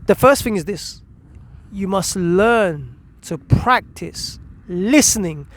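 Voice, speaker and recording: A man with a high, expressive voice speaks slowly over a faint hiss or hum. He's a parenting coach presenting a video, delivering direct instruction full of repeated key words and rhetorical questions for emphasis.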